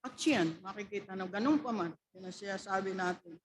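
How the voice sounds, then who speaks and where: A woman's voice: mid-range voice, brisk, slight background noise. A middle-aged woman preaching a Mother's Day sermon in church, telling a family story and acting out the quoted dialogue, then asking the congregation questions.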